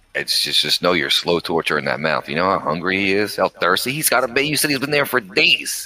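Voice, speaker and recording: A fairly quick American accent runs with hardly any pauses and very wide pitch swings over noticeable background noise. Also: man, fairly low pitch for a man. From Philadelphia. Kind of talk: casual chat.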